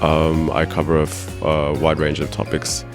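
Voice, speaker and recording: A man's voice: rumbling low, monotone, normal speed, faint music behind. A man from Australia, a news reporter who chats hesitantly on a podcast and reads an article aloud. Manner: hesitant, many ums and uhs.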